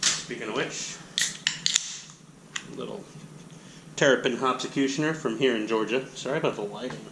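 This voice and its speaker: A man's voice: medium pitch, moderate pace, creaky, long pauses, fairly bright tone, a little hiss or hum. A man with a nasal voice rambling casually and self-deprecatingly while unboxing a hobby kit on an action camera. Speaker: hobby channel host.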